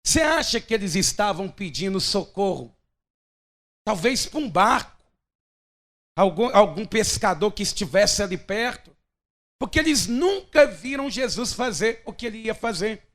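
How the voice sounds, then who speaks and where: Brief: man, pastor, dramatic sermon delivery, voice sits high. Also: very animated, a little slow, fairly bright tone. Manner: emphatic, dramatic preaching.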